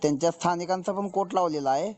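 Fast, high-voiced young Marathi man explaining himself. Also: darkish tone, dry recording. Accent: rural western Maharashtra Marathi. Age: 20s. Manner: defensive, deferential, explaining himself. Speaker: local news reporter. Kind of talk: phone conversation. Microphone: phone call.

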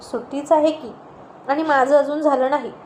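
A woman voicing a sharp, defensive young woman who retorts indignantly in a storybook reading. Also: sits high, fairly even intonation, moderate pace, natural voice. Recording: roomy echo, faint noise.

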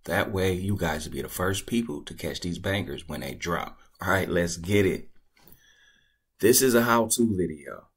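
A man casually talking through a screen-recorded tutorial at his computer, laid-back and thinking out loud as he goes. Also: sits low, animated, moderate pace, slightly rough. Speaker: crypto tutorial creator.

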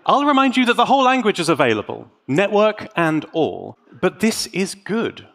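A British man delivering a scripted tech talk as a conference speaker, theatrical and wry, with dramatic pauses. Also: high voice, very animated, vocal fry, fairly bright tone. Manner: wry, tongue-in-cheek.

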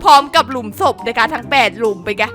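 Casting: young female gaming host, high bright voice, excitable and giggly, with game music playing underneath. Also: fast talker. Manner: excitable, exclaiming, laughing often. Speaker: gaming YouTuber. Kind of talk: Let's Play commentary. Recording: music bed behind the voice.

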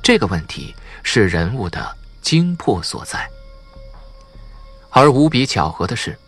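A man's voice: mid-range voice, very animated, measured pace, fairly bright tone, slightly rough, soft background music. A man reading a suspense crime novel as a scripted audiobook narration.

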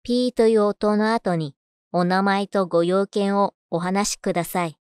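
A woman voice actor reading scripted narration and announcements in a clearly enunciated, rehearsed delivery. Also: mid-range voice, fairly even intonation, moderate pace, slight background noise.

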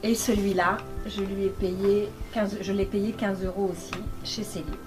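A woman vlogger talks to her viewers in a chatty, playful tone and calls them by pet names. Her voice sits at a middle pitch, and clear music plays behind her. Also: flat delivery, moderate pace. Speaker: vlogger showing a shopping haul. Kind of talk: casual chat to viewers. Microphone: camera microphone, filmed by a cameraman.

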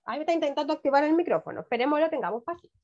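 A woman's voice: high voice, lively intonation, rapid-fire, a little mellow. A middle-aged woman teaching young children an online class, encouraging and full of questions. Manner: encouraging, asks many questions. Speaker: primary school teacher. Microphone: video call. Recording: dull lo-fi video call audio.

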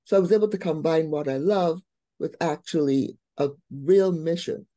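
A middle-aged woman from Barbados, a guest on a video call who tells her life story with warm, expressive emphasis. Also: sits low, moderate pace, dry recording, clean studio sound. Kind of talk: interview storytelling.

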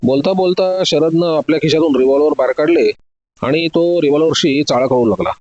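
Male narrator for a detective audio story, fairly high voice, dry and slightly muffled sound. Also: a little fast, darkish tone, no room sound.

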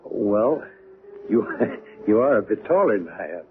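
An actor playing a small, mysterious male stranger in a radio drama, earnest and quietly insistent. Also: lowish voice, big pitch swings, a little slow, slight background noise. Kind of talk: 1970s radio drama acting. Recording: narrow tinny old radio broadcast.

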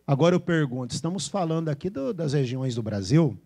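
Playful pastor with a São Paulo interior accent. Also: male voice, on the high side, lively intonation, brisk, warm tone. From Brazil. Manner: playful, imitating regional accents for the congregation. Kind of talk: sermon. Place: church with a congregation.

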